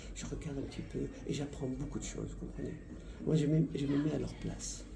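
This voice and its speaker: Audible room echo and noticeable background noise fill the recording. A man speaks at a fairly quick pace. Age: 70s. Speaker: hotel owner. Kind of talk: interview. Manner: animated.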